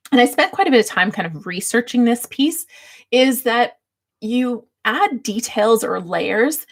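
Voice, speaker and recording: A middle-aged woman with a slightly husky voice, hosting a casual livestream and teaching in a chatty, light-hearted way. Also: fairly high pitch. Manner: chatty, laughs readily as she talks. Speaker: livestream host giving book-writing tips. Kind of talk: casual livestream teaching talk with chat replies.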